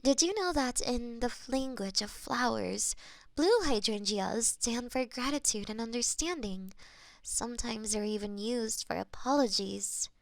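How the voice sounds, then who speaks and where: A woman performing a gentle audio roleplay as a florist friend, soft-spoken and a little flustered, recorded on a binaural microphone. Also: on the high side, expressive, measured pace, creaky, no echo.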